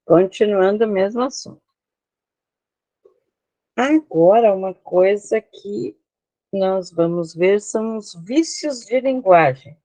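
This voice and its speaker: A woman's voice: medium pitch, mellow, no echo. A Brazilian woman teaching an online class, explaining slides step by step and often checking that her students follow. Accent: Brazilian Portuguese.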